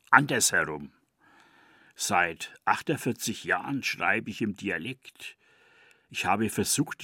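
Older man in his 70s, dialect poet, reads a scripted essay in a low voice with a dry, close sound. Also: bright, forceful tone, no room sound. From Franconia, Germany. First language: East Franconian dialect. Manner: measured, deliberate reading. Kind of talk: scripted personal radio essay.

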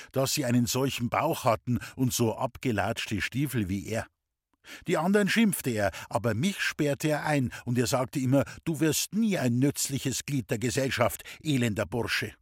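A man reading a humorous story aloud in the first person, with a lively, cheeky telling. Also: mid-range voice, husky, no echo, studio quality. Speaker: audiobook reader.

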